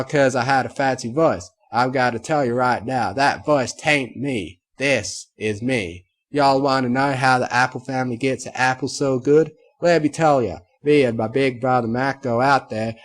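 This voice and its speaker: Southern farm mare, defiant and plainspoken, as a man reads her, raised and husky. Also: medium pitch, lightly acted. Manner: loud drawling rant.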